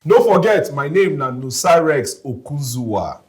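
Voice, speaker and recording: A man's voice: a little high, measured pace. A man with a Nigerian accent co-hosting a studio talk show, chatting playfully in Pidgin and English and laughing often. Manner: jokey, excitable, laughs often. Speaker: co-host. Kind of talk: playful radio-style chat in Pidgin and English.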